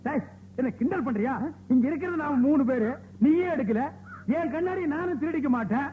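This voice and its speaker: A man's voice: extremely high pitch, animated, a little fast, narrow, tinny audio, slight background noise. An actor playing a bossy, short-tempered village barber who scolds his helper with sarcastic insults, in film audio taken from an old cassette tape. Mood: scolding. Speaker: barber in a film comedy scene. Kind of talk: 1990 Tamil film comedy dialogue from cassette.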